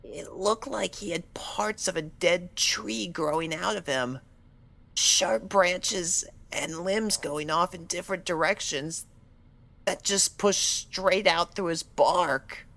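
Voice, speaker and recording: A woman plays a frightened young female pony in a dramatic audio story. She speaks slowly and haltingly, with a creaky edge, stammering and apologizing as she recounts an attack. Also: lowish voice, a bit bright, heavily acted. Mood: uneasy, hesitant.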